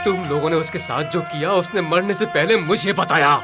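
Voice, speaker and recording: A man's voice: a little high, a little fast, close to an everyday voice. An actor playing a bitter, crazed, grieving male lover out for revenge in a dubbed film melodrama. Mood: bitter grief. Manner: bitter, emotional, accusing. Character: vengeful grieving young lover, crazed and accusing. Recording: loud background music over dubbed voice.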